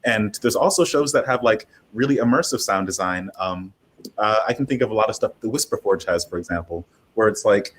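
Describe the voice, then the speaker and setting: A man's voice: lowish voice, brisk, a little hiss or hum. A man speaking casually as a panelist, in a conversational way sprinkled with "like". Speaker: panelist, audio drama maker.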